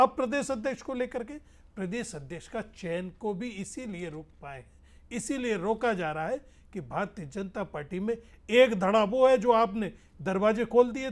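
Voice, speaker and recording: High-voiced male panelist. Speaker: political panelist. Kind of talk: animated political debate.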